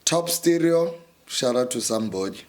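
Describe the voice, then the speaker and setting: A South African man with an everyday mid-range male voice talks through his story in a casual interview at home. He is relaxed, animated, and quick to act out what other people said. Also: mid-range voice, a little hiss or hum. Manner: animated storyteller, acts out quotes, laid-back. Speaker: radio host and producer, guest. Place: his own house.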